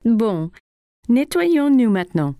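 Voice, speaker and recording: A woman voicing a patient, encouraging mother figure in a children's cartoon, gentle and coaxing with a singsong delivery. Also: on the high side, big pitch swings, takes it slowly, heavily acted. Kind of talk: children's cartoon dub acting.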